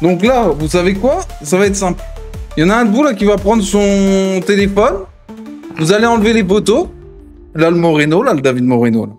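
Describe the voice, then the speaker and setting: A man's voice: high voice, expressive, a little fast, a little mellow, faint music behind. A man improvising a hot-headed gang brawler in a gaming roleplay, confrontational and full of swearing. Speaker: GTA roleplay gamer and streamer.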